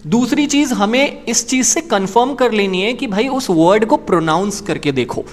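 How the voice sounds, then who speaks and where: A man's voice: high voice, animated, moderate pace. A man teaching a beginners' lesson in a chatty classroom manner, often asking the listener rhetorical questions. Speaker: English teacher. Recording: long reverb, echoey room.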